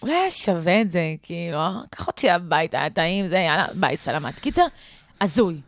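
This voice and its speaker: Animated young woman telling a story. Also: lowish voice. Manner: animated storyteller, acts out quotes, laughs often. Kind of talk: casual chat.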